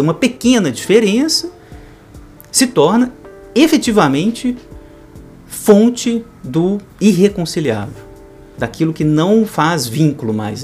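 A man giving a psychoanalysis lecture, discursive, with frequent tag questions and emphatic rises in pitch.

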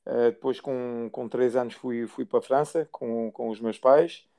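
A man in his forties, a basketball coach born in Portugal and raised in France, answering interview questions haltingly with many fillers. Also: medium pitch, fairly even intonation, warm tone. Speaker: basketball assistant coach, guest.

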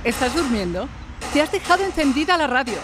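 A concerned figure in an audio drama, calling to a sleeping boy. Her high, lively voice questions him over clear background noise. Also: a little fast.

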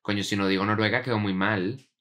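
A young man trades jokes and slang in relaxed conversation. His voice is very low and deep. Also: fast. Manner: joking, slangy banter. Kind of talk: casual chat.

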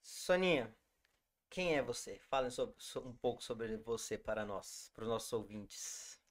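A man's voice: mid-range voice, expressive, unhurried. A man with a Brazilian Portuguese accent hosting a podcast, asking questions in casual conversation. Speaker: podcast host. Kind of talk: casual interview chat.

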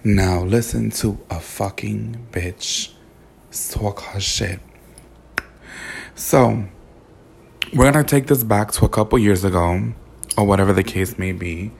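A hoarse young man with a sassy, campy manner, telling a personal story as a podcast host while sitting in a car. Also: on the low side, takes it slowly, pauses often, slight background noise. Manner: sassy, campy, swears a lot. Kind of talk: casual storytelling monologue.

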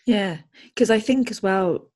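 A woman's voice: mid-range voice, unhurried, darkish tone. A woman who works as a language consultant, hosting a casual interview and thinking aloud in a friendly way. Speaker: language consultant and podcast host.

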